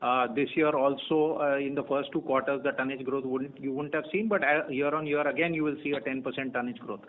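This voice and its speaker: A man with an Indian accent gives unscripted executive answers on an earnings call, measured and halting, often repeating phrases as he searches for words. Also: medium pitch, steady tone, a little hiss or hum. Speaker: company executive answering analyst questions. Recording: tinny narrow-band phone conference line.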